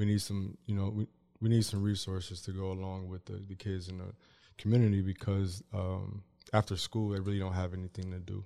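The voice has a dark, mellow tone and a monotone, flat intonation, with an American accent. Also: man, very clean recording, silent background. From US Midwest, Michigan. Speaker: youth mentoring program founder and coach. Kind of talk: interview. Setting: studio. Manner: soft-spoken.

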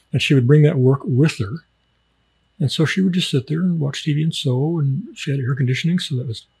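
Somewhat breathy, a man speaks at a fairly quick pace with a fairly high pitch and ordinary pitch variation. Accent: American. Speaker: podcast host. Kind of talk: casual monologue. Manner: rambling, conversational.

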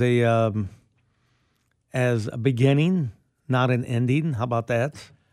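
Recorded very cleanly against a silent background, a man talks at medium pitch with an American accent. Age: 60s. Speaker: restaurant owner and chef. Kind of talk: radio interview. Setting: studio. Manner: animated.

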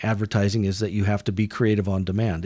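A man with an American accent, a fairly low pitch and a dark, mellow tone, in a very clean recording with a silent background. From Montana, Great Falls. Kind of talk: casual chat.

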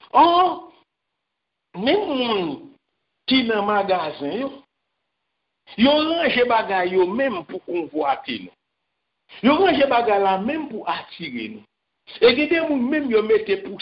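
A man with a Haitian accent, high-pitched for a man, at a fairly slow pace, with very wide pitch swings, big swings in loudness, and long, frequent pauses. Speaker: pastor. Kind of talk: sermon. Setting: church broadcast on radio.

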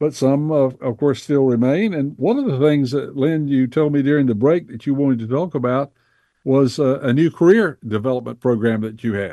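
Against a quiet background, a man with a Southern US accent speaks at a moderate pace in a dark, mellow tone, fairly high in pitch with ordinary pitch variation. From North Carolina. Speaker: radio host. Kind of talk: radio interview.

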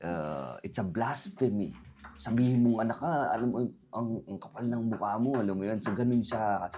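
Against noticeable background noise, a man speaks at medium pitch and a moderate pace with lively intonation. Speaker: podcast host. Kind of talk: casual chat. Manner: casual.

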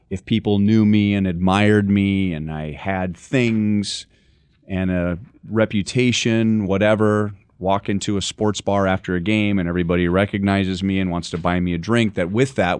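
This is a normal speaking voice from a man with an American accent, fairly low in pitch, with ordinary pitch variation over a quiet background. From US West Coast, Los Angeles. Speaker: baseball broadcaster and author. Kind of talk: interview.

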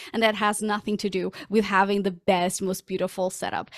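A medium-pitched woman's voice with a Portuguese accent, dry and close with no echo, on a very clean recording with a silent background. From Portugal. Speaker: podcast consultant. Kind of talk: casual interview.

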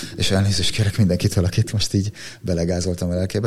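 A man's voice sits fairly low in pitch, dark and mellow in tone, with ordinary pitch variation. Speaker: podcast host, photographer. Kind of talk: casual interview chat.

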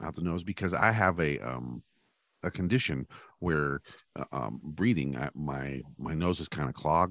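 A man with an American accent speaks with a very deep, low pitch, vocal fry and ordinary pitch variation. The sound is dry and close, with no echo. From Texas. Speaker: podcast host, musician. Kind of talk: casual interview. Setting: remote call with guest.

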